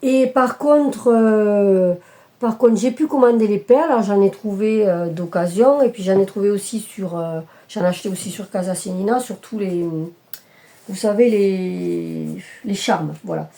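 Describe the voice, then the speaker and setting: A woman's voice: mid-range voice, measured pace, dark tone. A woman showing her cross-stitch work in a casual video chat, talking hesitantly with many fillers and self-corrections. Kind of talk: casual show-and-tell chat.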